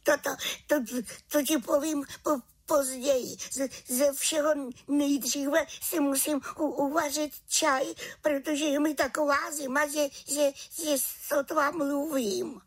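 Woman doing a little witch, storybook, high childlike voice, bouncy, breathy. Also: a bit bright, exaggerated voice. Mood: shivering, stammering. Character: small young female witch, lively and chatty. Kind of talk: audiobook character reading.

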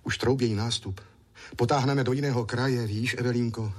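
A man voicing an impatient, lovesick young soldier who talks excitedly and pleads. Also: mid-range voice, pitched above the performer's own voice, lightly acted. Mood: pleading.

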